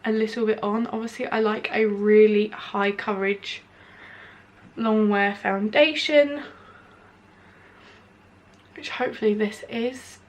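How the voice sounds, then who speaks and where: Speaking slowly with long pauses, a young woman reviews makeup while applying it, her medium-pitched voice steady. She's a beauty vlogger at home with a window open, nasal and congested, throat sore from hay fever. Her talk is chatty and rambling, full of "like"s.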